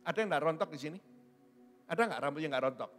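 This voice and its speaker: Joking middle-aged pastor preaching. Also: male voice, a little high, lively intonation, racing, fairly bright tone, faint music behind. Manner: joking, teasing the congregation. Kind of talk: sermon. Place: church hall. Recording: church hall with long reverb.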